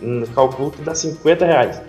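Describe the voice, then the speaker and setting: A man voicing Marciano, a dim-witted sidekick who answers in a deadpan way. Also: mid-range voice, normal speed, faint music behind, natural voice. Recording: echoey room.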